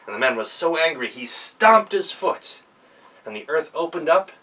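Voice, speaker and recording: An American man performs a folktale as a practiced storyteller. His voice is very lively and bright, full of dramatic pauses and repeated phrases, picked up from slightly away from the microphone. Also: on the high side, far from the mic, rough recording. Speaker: professional storyteller. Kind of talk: animated oral folktale telling.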